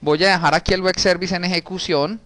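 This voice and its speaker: Man, thirties, casual coding lesson, smooth clear voice, dry close mic. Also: high voice, steady tone, a little fast, a bit bright, no room sound. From Colombia. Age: 30s. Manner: casual, talks while typing, frequent restarts and diminutives. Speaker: programming teacher. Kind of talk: recorded screen-share coding lesson.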